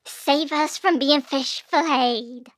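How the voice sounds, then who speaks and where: Woman doing worried wry adventurer girl, high voice, talks slowish, dry close recording. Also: no room sound. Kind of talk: scripted audio fiction acting.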